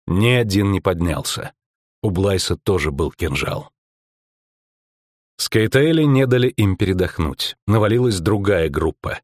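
A man reading an audiobook with measured, dramatic narration. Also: on the low side, a little mellow, no echo, clean studio sound. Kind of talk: scripted narration.

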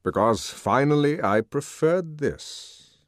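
A man voicing a powerful older controller who lectures in a measured, sardonic way. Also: on the high side, expressive, no echo, studio quality, voice pushed up.

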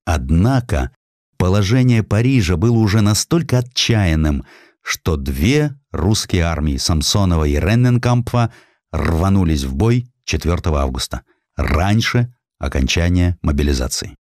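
Low male voice narrating history, super animated and dramatic, dry close sound. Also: measured pace, no room sound. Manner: expressive, emphatic storytelling delivery. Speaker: audiobook narrator.

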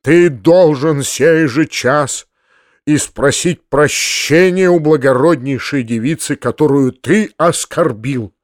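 A man's voice: fairly high pitch, takes it slowly, no echo, studio quality. A man voicing an earnest, well-meaning uncle who stumbles over his words, in an audiobook. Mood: earnest, flustered.

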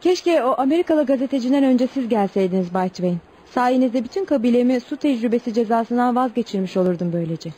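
A woman's voice: on the high side, lively intonation, quick pace, hardly any pauses, warm tone, slightly rough, rough recording. An actress playing an earnest young tribal woman who tells her story politely but with indignation in a Turkish radio play. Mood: grateful, polite. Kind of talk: Turkish radio theatre acting.

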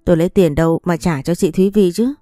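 A woman narrating a first-person audiobook story with a smooth, even storytelling delivery. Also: lowish voice, quick pace, no echo, studio quality, soft background music.

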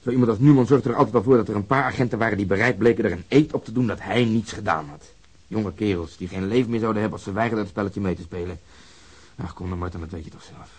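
Blunt, cynical cop in radio drama; low-pitched, husky, emphatic. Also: male voice, fast, darkish tone. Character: blunt, bitter male police officer, ex-serviceman. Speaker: actor.

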